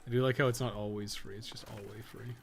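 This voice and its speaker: A man's voice: fairly low pitch, steady tone, fast, a little hiss or hum. A man doing casual, profane, joking video game commentary as he chats with stream viewers. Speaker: live streamer, podcast co-host.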